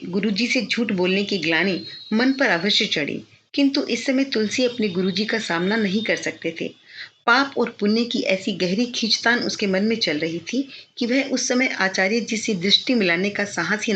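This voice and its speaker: A woman reading a novel aloud as an audiobook narrator, measured and expressive. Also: medium pitch, a little hiss or hum. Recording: slightly dull lo-fi recording.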